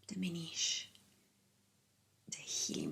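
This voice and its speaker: Whispering in a gentle tone, the speaker moves at a fairly slow pace. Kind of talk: ASMR soft-spoken reading and chat. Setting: close microphone, studio-like home recording. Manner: soft-spoken, gentle, comforting.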